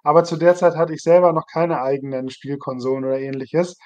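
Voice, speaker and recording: Fairly high-voiced man, chatting casually. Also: flat delivery, fairly quick, a little mellow. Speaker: livestream co-host. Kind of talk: casual chat.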